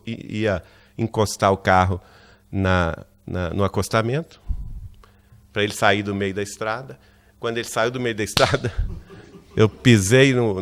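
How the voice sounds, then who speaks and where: Lively Brazilian man telling a story. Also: lowish voice. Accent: Brazilian Portuguese, Minas Gerais. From Brazil, Minas Gerais. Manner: lively narrator who acts out quoted dialogue, often asks "né?". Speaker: lecturer at a spiritist center. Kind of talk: anecdotal lecture storytelling.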